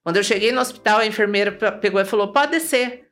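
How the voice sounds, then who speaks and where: A Brazilian woman as an interview guest, telling a personal story in a lively way, acting out remembered dialogue and often tagging her sentences with "né?". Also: mid-range voice, rapid-fire, faint music behind. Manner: lively, acts out remembered dialogue, tags lines with "né?".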